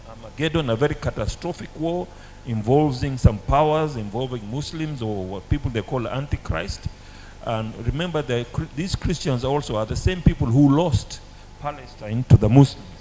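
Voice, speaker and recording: A man giving a halting, deliberate explanation as a guest in a history discussion. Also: medium pitch, darkish tone, slight background noise. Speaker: panel guest.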